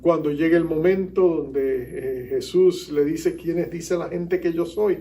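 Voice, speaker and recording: A man's voice: fairly high pitch, steady tone, measured pace, warm tone. A male pastor preaching an earnest sermon in church, acting out the figures he quotes.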